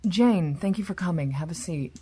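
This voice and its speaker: An actress playing a courteous, gently probing professional woman in a naturalistic audio drama. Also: lowish voice, normal speed, breathy edge.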